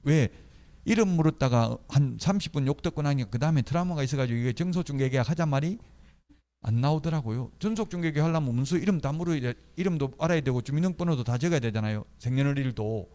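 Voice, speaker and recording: A man's voice: mid-range voice, lively intonation, fast talker, mellow. A middle-aged man teaching real estate brokerage law in a conversational style. He asks the class questions, answers them himself and tells stories from his own work as a broker. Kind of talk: classroom lecture.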